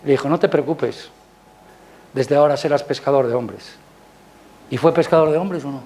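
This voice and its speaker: A man with a Spanish accent preaching a Sunday sermon in church, chatting with the congregation through rhetorical questions, his voice climbing loud on key points and dropping soft. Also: moderate pace. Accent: Spanish from Spain. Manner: rises loud and high on emphasis, drops soft. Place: church service.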